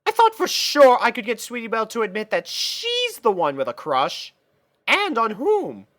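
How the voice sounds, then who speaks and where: A woman's voice: on the high side, wildly swooping pitch, moderate pace, fairly bright tone, pitched above the performer's own voice. A woman voicing a refined, fussy young lady pony who talks in a theatrical, prim and genteel way. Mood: musing, worried.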